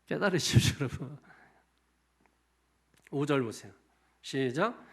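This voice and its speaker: A middle-aged male pastor preaching a sermon, emphatic, firing off repeated rhetorical questions with loud stresses on key words. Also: mid-range voice, expressive, unhurried. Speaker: senior pastor.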